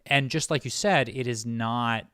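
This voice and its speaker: A man's voice: mid-range voice, measured pace, sharp tone, clean tone, no room sound, clean studio sound. A man hosting a casual interview, talking informally with a joking, playful manner. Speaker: interview host.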